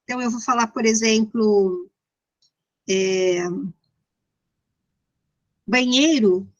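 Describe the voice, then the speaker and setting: A woman with a São Paulo Brazilian accent and a fairly high voice lectures informally. She explains things in a didactic but conversational way, as in an interactive class. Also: takes it slowly, dull audio. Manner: didactic, conversational, checks in with listeners. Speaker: university lecturer.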